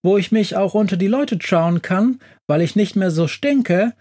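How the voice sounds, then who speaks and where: A man's voice: sits high, a little slow, pitched above the performer's own voice. Man doing a bashful shoe-mad monster. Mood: touched. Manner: bashful, excitable, tearful. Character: big hairy male shoe-loving monster, soft-hearted.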